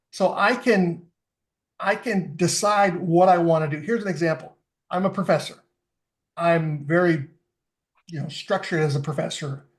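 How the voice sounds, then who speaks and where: High-voiced enthusiastic man explaining. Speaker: fitness technology expert guest. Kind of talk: casual podcast interview.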